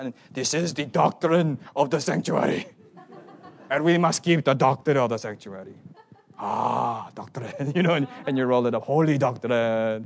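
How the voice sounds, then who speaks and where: A raspy, put-on character voice from a man, medium in pitch, at a moderate pace with ordinary pitch variation. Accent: German. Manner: exaggerated, mock-preacher.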